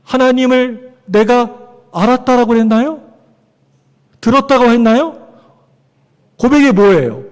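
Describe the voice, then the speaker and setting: A man preaching a sermon as pastor, animated, questioning the congregation. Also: very high voice. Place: church sanctuary. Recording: long church hall reverb.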